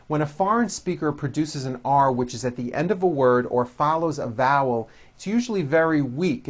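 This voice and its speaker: A man teaching English pronunciation, modeling words and sentences slowly and deliberately for learners to repeat. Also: fairly high pitch. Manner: slow, deliberate, over-articulated model words. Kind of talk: pronunciation drill lesson.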